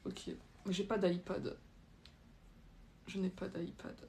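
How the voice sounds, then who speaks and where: On a livestream, a young French woman reads viewer comments aloud and answers them bluntly, her phrasing hesitant and loose. Her voice is on the low side, gravelly and mellow, with a level tone and a slow pace. A little hiss or hum sits under the recording.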